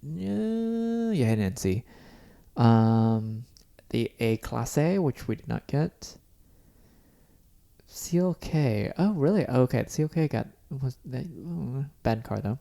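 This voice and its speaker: Mellow-voiced man in casual podcast chat. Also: mid-range voice, very animated, a little slow, vocal fry. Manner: chatty, wry, trails off mid-sentence. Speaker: podcast co-host.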